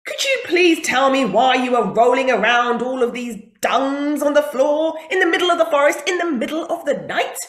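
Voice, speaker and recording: Woman voicing a grumpy sleepless storybook tiger, bright and lively, echoey room. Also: high voice, normal speed, few pauses. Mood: exasperated. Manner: exasperated, emphatic pleading. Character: sleepy grumbling male tiger. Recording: roomy echo.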